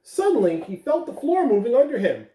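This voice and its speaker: Gentle storybook-reading woman, echoey room. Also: on the high side, big pitch swings, a little fast, distant mic. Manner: gentle storytelling, coaxing a child to look. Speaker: school staff reading aloud. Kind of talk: morning announcements and picture-book read-aloud.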